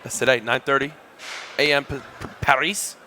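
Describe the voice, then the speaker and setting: A man with a bright, forward voice, bantering with his co-caster while they wait for a match to start. He keeps it light, joking and easygoing, over faint background noise. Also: medium pitch, fairly even intonation, normal speed. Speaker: esports commentator.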